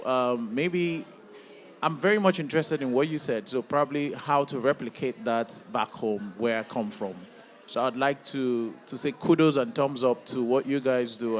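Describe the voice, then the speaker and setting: A man's voice: mid-range voice, moderate pace. A man from Nigeria's Niger Delta commenting from the floor at a panel, appreciative and easygoing with a few fillers. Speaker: audience member.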